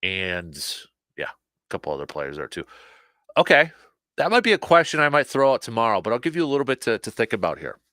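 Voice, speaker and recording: A man hosting a casual sports talk show, a little hoarse, animated, often repeating and restarting his words. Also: mid-range voice, a little fast, no room sound, clean studio sound. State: slightly hoarse, losing his voice.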